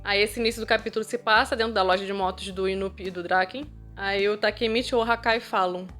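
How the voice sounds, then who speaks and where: A woman's voice: mid-range voice, fairly even intonation, fast, a bit bright, soft background music. A woman with a Brazilian Portuguese accent reading a manga chapter aloud and joking about it in a casual, chatty way. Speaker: YouTuber.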